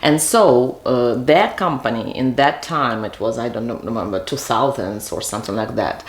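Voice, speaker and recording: A woman in her forties speaks in a strikingly low register. She talks haltingly, filling pauses as she searches for the right words. The recording carries a noticeable room echo. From Ukraine. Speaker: guest, business trainer. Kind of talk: casual interview chat. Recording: roomy echo.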